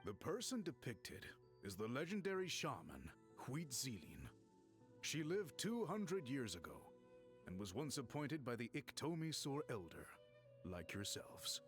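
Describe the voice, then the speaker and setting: Very animated tribal storyteller. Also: male voice, mid-range voice, unhurried, over music. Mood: reverent. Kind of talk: video game voice acting.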